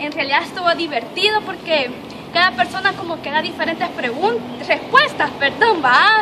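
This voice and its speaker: Lively intonation and a raised, projected voice at a moderate pace, over noticeable background noise. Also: woman. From El Salvador. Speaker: vlogger; vlogger, street interviewer. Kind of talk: casual vlog; street interviews. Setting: outdoors on the street. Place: street. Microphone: camera far.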